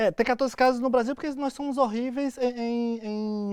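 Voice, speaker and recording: Against a quiet background, a man with a Bahian accent speaks at an extremely high pitch. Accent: Bahian northeastern. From Bahia sertão, Brazil. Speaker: scientist, researcher. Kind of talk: interview. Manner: halting, repeats words.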